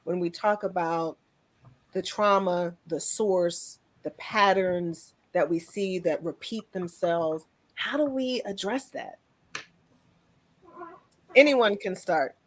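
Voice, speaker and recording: A woman hosting a conversational interview, speaking in measured, short rhetorical phrases. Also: fairly low pitch. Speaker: talk show host.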